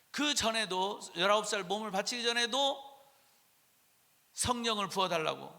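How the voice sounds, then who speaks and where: A man with a high pitch projects his raised voice at a fairly slow pace, taking long, frequent pauses amid audible room echo. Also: ordinary pitch variation. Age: 60s. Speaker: pastor. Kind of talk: sermon. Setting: conference stage with audience and interpreter. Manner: halting, pausing for interpreter.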